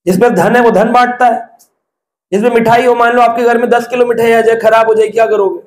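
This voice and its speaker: A man's voice: extremely high pitch, fairly even intonation, fairly quick, roomy sound, slight background noise. A man giving a devotional discourse, telling stories and asking the listeners rhetorical questions. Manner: storytelling, asks rhetorical questions. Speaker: preacher.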